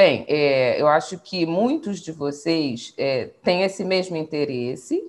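Against a quiet background, a woman with a fairly low pitch speaks at a very slow pace with hardly any pauses. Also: ordinary pitch variation. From Rio de Janeiro, Brazil. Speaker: diplomat; guest. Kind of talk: interview. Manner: fluent. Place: home room. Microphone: video call.

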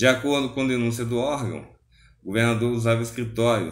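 A man talking at a fairly quick pace. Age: 40s. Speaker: online news presenter; news presenter. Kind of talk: news reading. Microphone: lapel.

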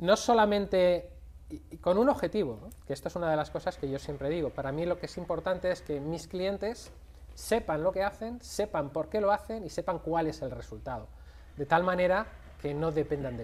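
Pitched high, a man's voice shows ordinary variation as he talks. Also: moderate pace. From Spain, Toledo province (Castilla-La Mancha). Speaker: health coach and biohacker, aerospace engineer. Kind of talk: interview. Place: studio. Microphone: lapel.

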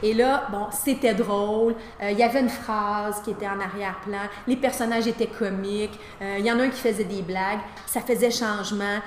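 A woman with a Quebec accent talks at a moderate pace and a fairly high pitch, her intonation fairly even. Light background noise and audible room echo are present. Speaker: teacher. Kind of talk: interview answer. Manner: casual, conversational. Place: classroom.

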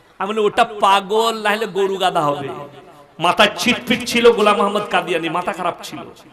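A man speaks in an animated tone with ordinary pitch variation over noticeable background noise. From West Bengal, India (Purba Bardhaman); West Bengal. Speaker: Islamic preacher. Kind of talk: sermon. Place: tent. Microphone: studio mic.

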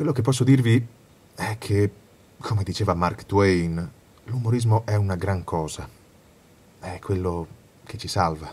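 At a fairly slow pace with long, frequent pauses, a man with a fairly low pitch speaks with ordinary pitch variation. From Piacenza, Italy. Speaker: actor and voice actor. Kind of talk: humorous reading. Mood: wry, humorous. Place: home room. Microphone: studio mic.

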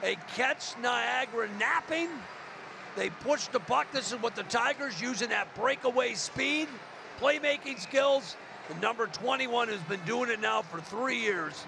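Over noticeable background noise, a man uses a raised, projected voice at an extremely high pitch. His pace is fairly slow, and his intonation is lively. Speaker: color commentator. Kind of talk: sports commentary and interview.

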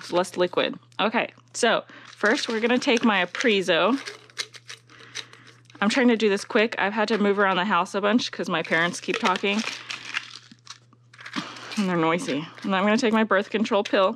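Moderate pacing with long, frequent pauses, ordinary pitch variation, a dry sound with no echo, and noticeable background noise. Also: woman. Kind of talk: casual vlog chat. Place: home room. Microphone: camera far.

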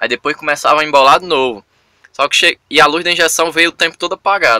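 At a moderate pace, a man speaks in a bright, sharp tone, the sound dry with no echo against a quiet background. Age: 20s. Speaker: truck driver and vlogger; vlogger. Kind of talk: vlog tutorial. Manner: casual, informal. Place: car. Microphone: phone near.

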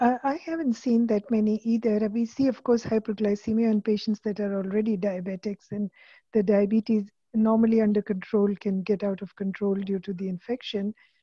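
A woman's somewhat breathy, dark, mellow voice at fairly high pitch and a fairly quick pace, with a quiet background and a dry sound with no echo. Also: fairly even intonation. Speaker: pulmonary critical care physician; panelist. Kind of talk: panel discussion. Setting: video call. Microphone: video call.

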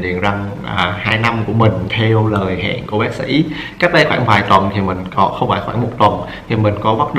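There is audible room echo and light background noise as a man speaks with a fairly low pitch. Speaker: vlogger. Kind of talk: casual vlog chat. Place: home room.

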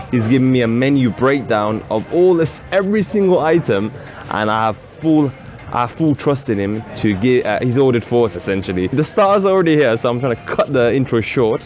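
Fairly quick speech over faint background music, dry with no echo. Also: man. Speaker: food vlogger. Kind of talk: casual vlog chat. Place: cafe. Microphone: phone near.

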